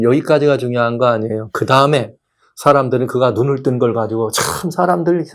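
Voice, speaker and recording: Gravelly-voiced male pastor preaching. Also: on the high side. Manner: animated preaching, asks rhetorical questions. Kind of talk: sermon.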